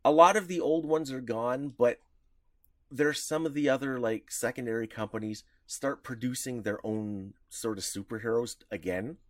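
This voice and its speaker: A man's voice: mid-range voice, moderate pace, dry recording. A man co-hosting a podcast, chatting casually about comics history, rambling with lots of fillers and restarts. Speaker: podcast co-host.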